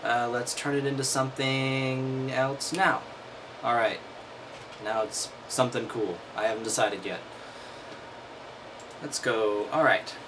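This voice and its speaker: A man's voice: mid-range voice, steady tone, a little slow, long pauses, noisy background. A man reading aloud and breaking off into wry, mocking commentary. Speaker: host.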